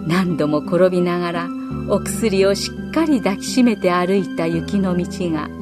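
Gentle woman reading a children's story. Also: on the low side, normal speed. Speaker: narrator. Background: faint music.

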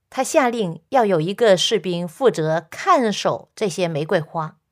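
A woman with a medium-pitched voice hosts a Christian radio program, telling a story in a soft, earnest way and addressing her listeners directly.

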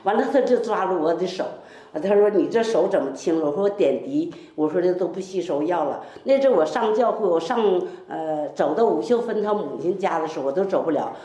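This is a church member's testimony: an older woman telling a heartfelt, meandering story laced with quoted exchanges. Her voice is mellow and lowish, animated and fairly quick, heard in an echoey space over faint music.

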